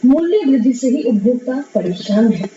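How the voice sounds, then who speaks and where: A high, mellow woman's voice teaches a class at a measured pace. She repeats each term and poses questions she answers herself. The sound is distant and roomy, dull at the top, with faint noise underneath. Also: animated. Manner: explains slowly, repeats terms, asks and answers own questions. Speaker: Hindi teacher. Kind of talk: classroom lesson.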